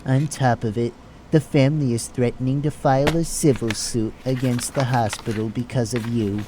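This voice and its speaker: A man's voice: mid-range voice, steady tone, normal speed, natural voice. A man voicing a cold, stern hospital boss in an audio drama, speaking formally and bluntly. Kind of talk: amateur audio drama acting. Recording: noisy track.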